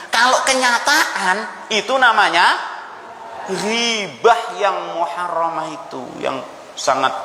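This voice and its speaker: A man preaching in a mosque, lively and quizzing the congregation with rhetorical questions. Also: sits high, slight background noise. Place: mosque hall. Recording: echoey reverberant mosque hall.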